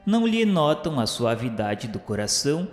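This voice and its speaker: A man with a Brazilian Portuguese accent reads a religious radio drama narration in a formal, solemn, measured way. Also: mid-range voice, big pitch swings. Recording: roomy reverberant sound with music underneath. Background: music.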